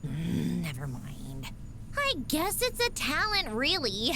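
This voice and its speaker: A woman's voice: on the high side, huge pitch swings, takes it slowly, heavy background noise, full character voice. An actress playing a proud young woman inventor in a video game, haughty and sardonic yet composed. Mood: exasperated, wry. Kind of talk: video game character voice lines. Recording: background music.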